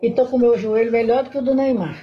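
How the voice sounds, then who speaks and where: A woman's voice: on the high side, fairly even intonation, fast talker, highs cut off, over loud music. A woman in her seventies in a short fan clip. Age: 70s.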